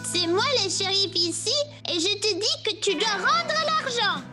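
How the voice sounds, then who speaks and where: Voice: very high-pitched, very animated, a little slow, loud music behind the voice, full character voice. A performer voicing a young boy who plays a brave cowboy sheriff with gunslinger swagger in a French cartoon. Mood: bold, threatening.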